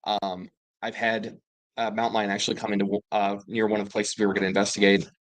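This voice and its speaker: Low-voiced man telling eerie stories. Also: fast, dry recording, low-quality recording. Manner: rambling, with fillers and restarts, excited bursts in quoted speech. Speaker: panel guest telling paranormal encounters. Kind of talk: casual storytelling.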